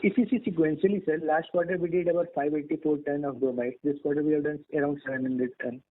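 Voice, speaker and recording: Man, rapid speech, analyst questions, tinny phone sound. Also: a little high, steady tone. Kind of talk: earnings call questioning. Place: conference call over a phone line.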